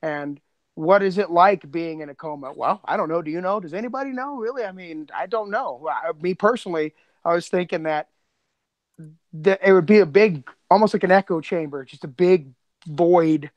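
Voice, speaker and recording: A man's voice: high voice, moderate pace, no echo. A man talking casually on a podcast, informal and rambling, often questioning himself as he goes. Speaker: podcast co-creator and audio editor.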